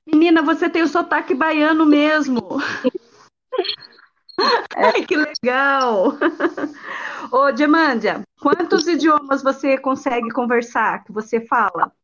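A woman with a high voice interviews children in a casual chat. She reacts with encouraging exclamations. The recording is a little dull and lo-fi. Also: slow, long pauses, fairly bright tone.

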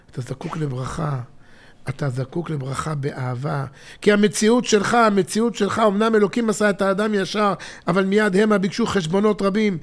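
A middle-aged man co-hosting a podcast as a father, teaching religious texts in an expressive way that swings from emphatic to hushed and intimate. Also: high-pitched.

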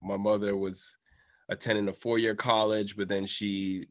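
A young man from Boston, a writer who is a guest on a radio interview, answering in a soft-spoken, thoughtful way with many "um"s. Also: lowish voice, little pitch movement, moderate pace. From Boston, USA.

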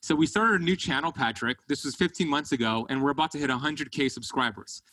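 A man hosting a podcast interview in an effusive, excited manner. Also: mid-range voice, fast, dry recording, low-quality recording. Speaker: podcast host.

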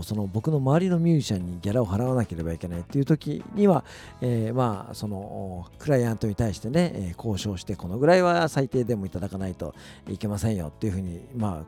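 A man's voice: on the low side, dark tone, slightly rough. A man giving a chatty solo radio-style talk in very polite, formal phrasing, with a self-deprecating manner. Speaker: radio-style talk host, music producer and voice coach.

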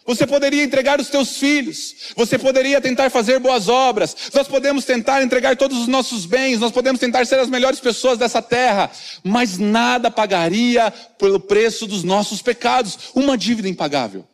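A male pastor preaching a sermon earnestly, dropping to soft low tones for emphasis. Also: moderate pace. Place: church. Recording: long hall reverb from a church.

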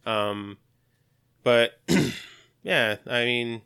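Man, thirties, podcast guest, laid-back, bright clear low voice. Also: flat delivery, extremely slow. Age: 30s. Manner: laid-back, joking, hesitant with fillers. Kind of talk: casual podcast conversation.

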